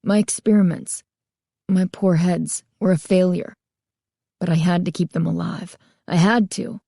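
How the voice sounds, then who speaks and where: A woman reading aloud, voicing a quiet, sorrowful male mask maker who speaks softly, close to a whisper. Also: lowish voice, steady tone, unhurried, gravelly, dry recording. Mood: bitter. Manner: soft, hushed, half-whispering.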